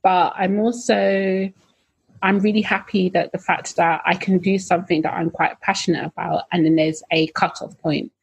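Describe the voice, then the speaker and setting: A woman's voice: fairly low pitch, fairly even intonation, moderate pace, creaky, breathy edge. A woman co-hosting a podcast, chatting casually and thinking aloud with many ums. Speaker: podcast co-host. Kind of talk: casual chat.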